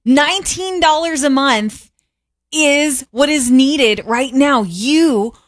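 A woman's voice: sits high, slow, no echo, clean studio sound. A woman radio host making an earnest fundraising appeal, urging listeners to give.

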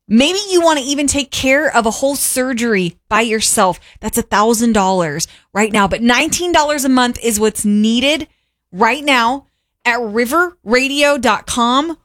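A woman's voice: a little high, animated, normal speed, fairly bright tone, dry recording, clean studio sound. A woman radio host making an earnest fundraising appeal, urging listeners to give.

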